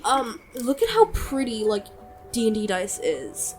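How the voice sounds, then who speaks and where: A woman who is sick, chatting informally and enthusiastically in a rambling, halting way, as if on a solo podcast. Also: on the high side, huge pitch swings, darkish tone, soft background music. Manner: hesitant, halting, rambling delivery; informal, enthusiastic, mild swearing. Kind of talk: casual rambling chat.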